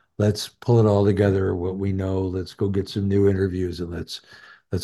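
A man's very deep, low voice, somewhat breathy and dark and mellow in tone, at a fairly quick pace in an American accent over a quiet background. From Idaho, US West. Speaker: documentary filmmaker. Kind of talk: interview. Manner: halting, many restarts.

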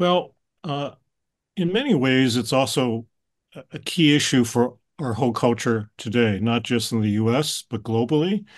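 Against a quiet background, a man with an unremarkable speaking voice talks at a fairly slow pace in a medium pitch. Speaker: academic institute director. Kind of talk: radio interview.

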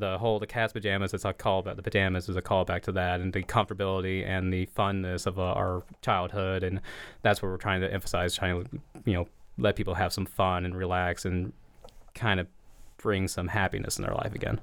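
A man with a Midwestern American accent speaks at a fairly quick pace in a very deep, low voice, his intonation flat and monotone, on a very clean recording with a silent background. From southern Illinois (O'Fallon). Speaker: cat café co-owner. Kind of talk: radio interview. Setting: studio.

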